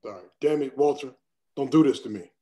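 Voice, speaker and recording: A man's voice: medium pitch, fairly quick, dark tone, natural voice. An actor at a table read voicing a troubled male doctor in an earnest, clipped way. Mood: desperate.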